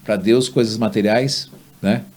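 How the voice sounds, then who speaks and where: A man hosting a podcast interview, telling stories in an animated way and letting his voice drop low at the ends of stories. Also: a little slow. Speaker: podcast host. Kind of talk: conversational interview.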